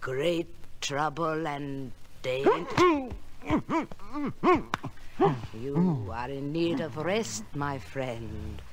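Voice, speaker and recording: An actress playing an imperious, mysterious fortune teller in 1940s radio style, with solemn, commanding delivery. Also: female voice, low voice, very animated, very slow, crowd noise, full character voice. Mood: ominous. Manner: solemn, commanding, repetitive phrasing. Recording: noisy old radio recording.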